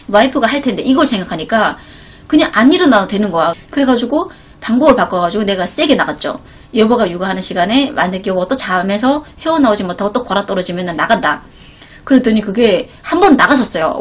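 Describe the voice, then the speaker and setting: A woman's voice: mid-range voice, breathy edge. A woman from Korea, a live streamer telling an emphatic, chatty story to her viewers. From North Korea. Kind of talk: casual chat to viewers.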